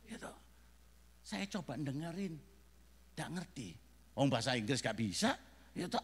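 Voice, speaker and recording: A man from Indonesia preaching a sermon as pastor, animated and joking, with shouted amens. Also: mid-range voice, moderate pace, slightly rough. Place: church sanctuary. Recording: reverberant church hall.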